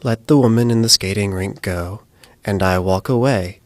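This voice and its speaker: A cool young schemer, played by a man in an audio drama, speaking low and close in a dry studio. He is controlled and deadpan, bargaining with quiet calculation. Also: moderate pace, no echo, natural voice. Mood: calculating.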